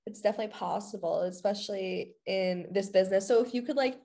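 Woman podcast host, chatty, encouraging, quick to laugh. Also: mid-range voice, dark tone. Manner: upbeat, laughs a lot, encouraging. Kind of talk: casual interview chat.

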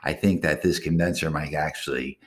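Casting note: male podcast host with a very low, deep voice, crude and boastful, rambling solo monologue. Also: fairly even intonation, normal speed.

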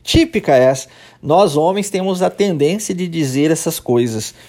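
A man's voice: a little high, lively intonation, moderate pace, a little mellow. A man with a Brazilian Portuguese accent, teaching English on a lesson podcast, explaining patiently and drilling phrases aloud.

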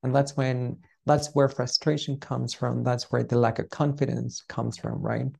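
A man who is the guest on an interview, explaining his views earnestly and ending many points with a quick "right?". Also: mid-range voice, little pitch movement, creaky, a little mellow. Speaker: guest, founder of a pronunciation coaching business. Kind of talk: casual interview chat.

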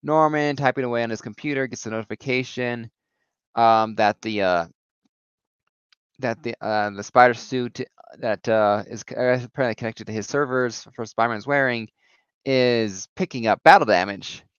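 Male comic reviewer, smooth clear voice, loose rambling delivery full of "uh"s, dry and slightly dull recording. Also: medium pitch, normal speed, fairly bright tone, dry recording. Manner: rambling, many fillers and restarts. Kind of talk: casual comic recap.

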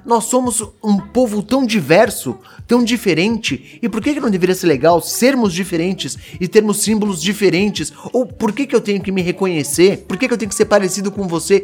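A Brazilian man casually arguing his views in a group discussion, blunt and animated, firing off rhetorical questions. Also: high-pitched, fairly quick, few pauses, slightly rough, soft background music.

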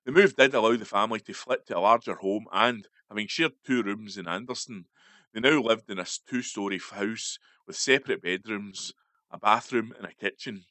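Man, low voice, steady read-aloud news feature, dry close sound. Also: normal speed, no echo. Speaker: newspaper article reader.

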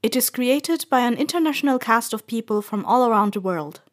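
A woman's voice: a little high, expressive, a little fast. A woman reading scripted narration as announcer for an audio drama trailer.

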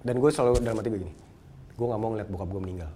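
A man's voice: on the low side, mellow, a little hiss or hum. A young man, telling a personal story in slangy casual talk. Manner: slangy Jakarta street talk, quick and storytelling. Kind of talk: casual chat.

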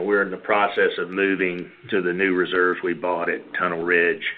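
Male executive, very low and even-pitched, halting unscripted business answers, narrow phone-conference sound. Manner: measured, halting, hedging phrasing. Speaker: company executive answering analyst questions. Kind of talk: unscripted earnings call answers. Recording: band-limited phone conference line.

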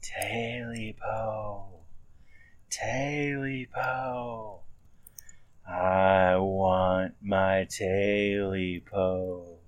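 A small, stubby, clawed creature from a spooky campfire tale, hissing its demand in a slow, drawn-out chant, voiced by a male storyteller. The voice is low and creeping. The sound is dry and close, with no room around it. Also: fairly even intonation, no room sound. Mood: eerie.

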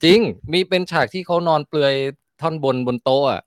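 A man's voice: on the high side, brisk, dry recording, clean studio sound. A man hosting a podcast in casual chat, joking and teasing. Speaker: host.

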